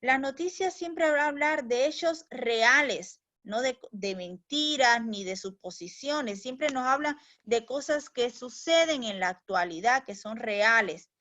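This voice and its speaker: Slow, high-voiced patient woman teacher. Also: expressive, a bit bright. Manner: patient, explains step by step, calls pupils "mis niños", checks with "¿ya?". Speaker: primary school teacher. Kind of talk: recorded language lesson for children.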